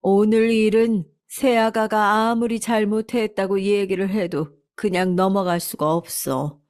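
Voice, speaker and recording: A woman's voice: mid-range voice, fairly even intonation, a little slow, a little mellow, clear, resonant tone, close to an everyday voice. A woman voicing a strict older mother-in-law who scolds firmly. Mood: stern. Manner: firm, scolding.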